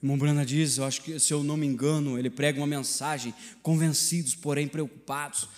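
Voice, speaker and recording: A man with a Brazilian Portuguese accent preaching a sermon in a church, swinging between shouted climaxes and low, hushed passages in a repetitive preaching cadence. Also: fairly even intonation, fast talker, in a large hall. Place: church sanctuary.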